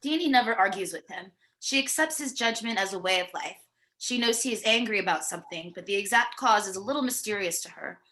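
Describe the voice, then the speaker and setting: Bright-voiced woman reading stage directions. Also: mid-range voice, expressive, fast talker. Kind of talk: scripted screenplay narration. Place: remote virtual table read.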